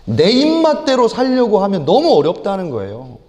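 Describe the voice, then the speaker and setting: Animated preaching man in a reverberant church. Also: sits high, normal speed. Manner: animated, acts out prayers and God's rebukes in lively voices. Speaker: pastor. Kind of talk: sermon. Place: church sanctuary. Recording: long church hall reverb.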